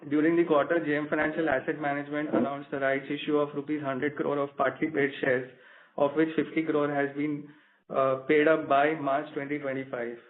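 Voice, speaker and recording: A male company executive reading out prepared financial results in a steady, measured way. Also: fairly high pitch. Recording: tinny phone line.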